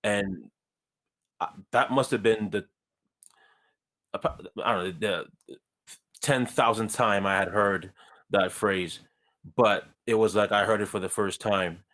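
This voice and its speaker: A man from Ghana, a guest in a conversation, telling his life story in a measured, earnest way with light self-deprecating humor. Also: on the low side, fairly even intonation, fairly bright tone.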